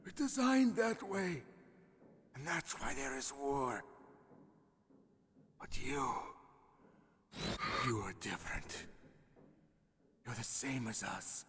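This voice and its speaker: An actor playing an eerie, menacing, misanthropic psychic villain in a video game, theatrical and sinister, with a breathy hissing rasp. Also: male voice, mid-range voice, animated, slow pace, pauses often, fairly bright tone, far from the mic. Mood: bitter, brooding.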